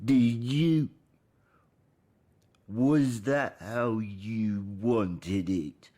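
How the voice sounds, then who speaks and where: An actor playing an earnest, childlike uncle with learning disabilities, speaking haltingly in a radio play. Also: male voice, lowish voice, dark tone. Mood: halting, downcast. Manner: slow, halting, simple repetitive phrasing.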